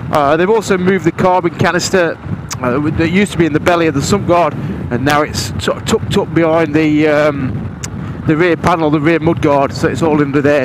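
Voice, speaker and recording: Fairly quick delivery with ordinary pitch variation, a dry sound with no echo, and noticeable background noise. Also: man. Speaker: motorcycle rider reviewer. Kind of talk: commentary. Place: motorbike. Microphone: helmet.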